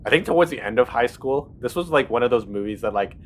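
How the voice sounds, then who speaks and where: A man's voice: mid-range voice, expressive, fast talker, a little hiss or hum. A man co-hosting a casual movie podcast, meandering, with many likes and ums. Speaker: podcast co-host.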